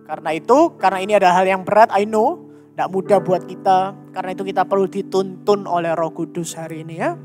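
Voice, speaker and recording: A man preaching a sermon to a youth congregation, animated and slipping English phrases into his talk. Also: high voice, fast. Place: church hall. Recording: reverberant hall with music.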